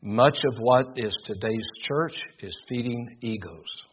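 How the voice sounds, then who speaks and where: An older man preaching a sermon with a loud voice, earnest and emphatic, often repeating words as he builds his points. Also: medium pitch, a little slow, slight background noise. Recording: dull lo-fi recording.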